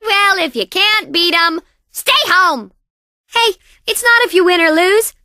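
A woman's voice: very high-pitched, unhurried, bright, forceful tone, no room sound, studio quality, exaggerated voice. A woman voicing a perky, cocky young female bandicoot racer in a video game, with a sassy, boastful, exaggerated cartoon delivery. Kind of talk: video game character voice lines.

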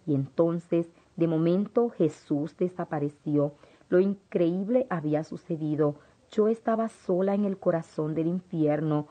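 Solemn low-voiced woman narrator. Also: measured pace, dark tone. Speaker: audiobook narrator. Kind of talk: first-person audiobook narration. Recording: dull lo-fi audiobook audio.

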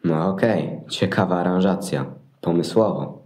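Man acting a deep-voiced grumbling shepherd. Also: a little slow, darkish tone. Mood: musing. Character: grumbling, out-of-shape but thoughtful shepherd man. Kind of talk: amateur Christmas nativity audio play acting. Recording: roomy, echoing sound.

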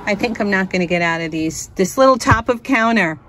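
A woman's voice: medium pitch, lively intonation, fairly quick, fairly bright tone, slight background noise. A woman vlogging as she sorts vintage jewelry in an antique store, thinking aloud and chatting as she goes. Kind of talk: casual thrifting narration. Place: inside a cluttered antique store.

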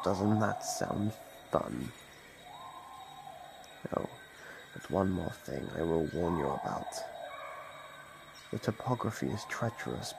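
A man's voice: fairly low pitch, gravelly, background noise, heavily acted. A man voicing a gleefully predatory monster from under the bed in an ASMR horror roleplay, mockingly polite and menacing.

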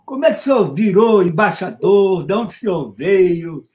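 A man in his seventies with a Brazilian accent, chatting as an interviewer in a halting, rambling way, repeating words, on a video call. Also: high-pitched, animated, darkish tone. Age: 70s. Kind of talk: informal interview conversation. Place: indoors in a room with bookshelves, on a video call. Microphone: video call microphone.

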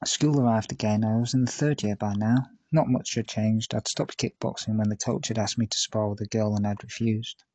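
Flat, low-voiced man narrating memoir. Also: fairly quick, hardly any pauses, dry recording. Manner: steady storytelling with dry self-aware asides. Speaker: audiobook narrator. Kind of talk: first-person true-crime memoir narration.

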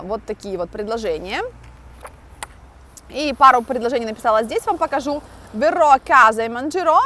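A young woman with a slightly high voice teaches a grammar lesson outdoors at night through a wired earphone mic. She explains patiently, with frequent hesitation fillers, and drops in Italian example phrases. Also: a bit bright. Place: outdoors at night in front of a large lit monument.

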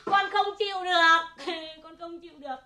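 A woman's voice: very high voice, moderate pace, loud music behind the voice. A woman playing a bumbling, joking male clown servant in a traditional folk opera comedy, giggling and punning in a sing-song way. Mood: giggly, teasing. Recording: echoey stage recording.

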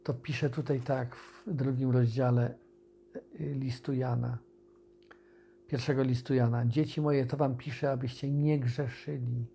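A man preaching an informal video sermon, speaking conversationally with pauses and restarts and reading scripture aloud. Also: medium pitch, steady tone, creaky, mellow, a little hiss or hum.

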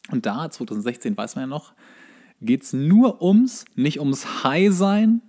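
A man's voice: fairly high pitch, sing-song, unhurried, dark tone. A man co-hosting a podcast in casual comedic chat, joking and ironic. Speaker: podcast co-host.

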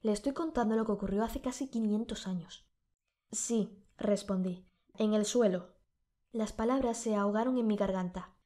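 Woman narrating, slight sore throat. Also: medium pitch. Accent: Spain Spanish. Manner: measured, steady storytelling. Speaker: audiobook narrator. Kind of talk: audiobook narration.

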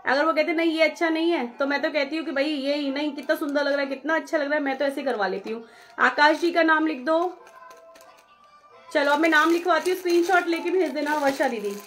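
Chatty high-voiced woman selling sarees live. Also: fairly bright tone, soft background music. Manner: chatty, brisk, reads out viewer names and takes bookings; mixes English phrases into Hindi. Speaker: saree seller on live stream. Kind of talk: live-stream sales chat.

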